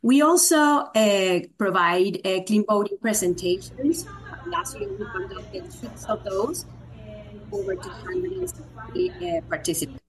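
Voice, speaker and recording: A woman with a Spanish accent gives a formal presentation to a commission, speaking in a measured way with frequent "uh" fillers. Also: medium pitch, big pitch swings, low-quality recording. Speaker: state agency program presenter.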